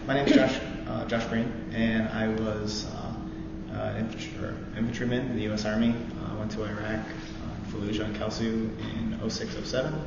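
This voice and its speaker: A young man, a student veteran, reads a war novel aloud in a steady, earnest voice. The recording is dull and lo-fi, with a long hall reverb behind him. Steady noise sits under his voice. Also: lowish voice. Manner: halting intro with many fillers, then steady earnest reading. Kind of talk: live reading of a novel passage. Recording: roomy echoey hall, dull lo-fi sound, noisy.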